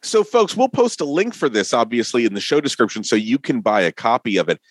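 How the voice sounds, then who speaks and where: A man's voice: medium pitch, big pitch swings, brisk, no room sound. A man co-hosting an interview podcast, upbeat and chatty as he introduces a guest. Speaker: podcast co-host.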